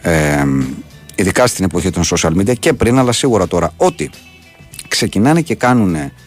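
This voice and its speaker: A man hosting a Greek sports radio show in casual banter, talking with lively ups and downs. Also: breathy edge, soft background music. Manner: animated, jumps up and down in pitch.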